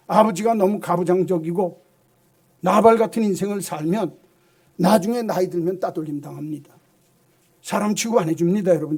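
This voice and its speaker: A man's voice: high voice, a little mellow. A male pastor preaching a sermon with emphasis, often asking the congregation rhetorical questions.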